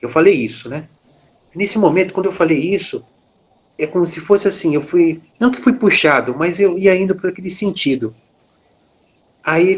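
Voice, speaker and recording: A man with a Brazilian Portuguese accent shares a personal testimony with an interviewer. His voice sits slightly high for a man. He talks haltingly, tagging phrases with fillers and restarting his sentences. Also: slightly rough. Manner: frequent filler "né", hesitant restarts. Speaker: interview guest.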